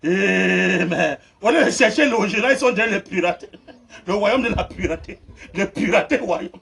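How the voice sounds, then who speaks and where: Man, preacher, very high voice, raspy, mocking, laughing sermon. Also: animated, moderate pace. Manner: laughs through his words, shouting amens.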